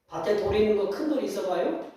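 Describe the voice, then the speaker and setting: A man's voice: high voice, animated, a little fast, mellow. A man preaching as pastor in a folksy storytelling sermon, acting out scenes and asking the congregation questions. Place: church sanctuary. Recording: very echoey hall, distant mic.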